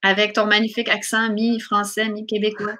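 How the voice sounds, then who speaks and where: A woman's voice: medium pitch, completely flat delivery, fairly quick, bright, forceful tone. A woman with a Quebec French accent, chatting casually and effusively as an interview guest. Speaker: guest, singer and YouTube creator. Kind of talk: casual chat.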